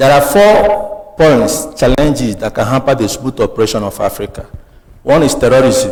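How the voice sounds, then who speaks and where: Lively male speech at a moderate pace, fairly high in pitch, over noticeable background noise. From Nigeria. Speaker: forum participant. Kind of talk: prepared speech.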